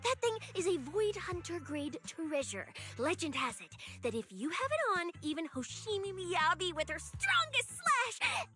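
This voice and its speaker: A high-voiced storyteller. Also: female voice, big pitch swings, normal speed, hardly any pauses, bright, forceful tone, faint music behind, heavily acted. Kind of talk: video game voice acting.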